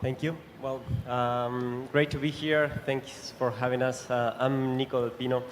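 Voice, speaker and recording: A man from Argentina speaks hesitantly on a panel, stopping often on fillers. His delivery stays very flat and even. A long hall reverb and faint ambience surround him. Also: medium pitch, unhurried, a little hiss or hum. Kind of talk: panel self-introduction. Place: large event hall on stage.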